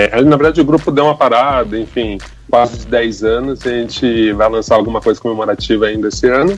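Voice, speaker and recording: With music in the background, a man speaks at a medium pitch and a moderate pace. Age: 30s. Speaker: graphic designer and video director. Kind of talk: casual chat.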